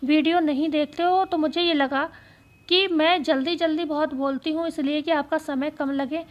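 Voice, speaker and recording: High-pitched lady teacher, slow, repeats stuff for notes. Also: fairly even intonation, dull audio. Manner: repeats key phrases slowly for dictation. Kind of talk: exam-prep lesson.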